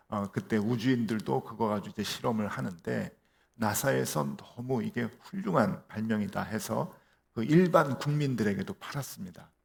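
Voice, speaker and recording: 중년 남자 목사가 교회에서 "어" 같은 추임새와 반문을 섞어 가며 이야기를 들려주듯 설교한다. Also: male voice, on the low side, gravelly. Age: middle-aged. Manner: storytelling with fillers and rhetorical questions. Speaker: pastor. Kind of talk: sermon. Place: church.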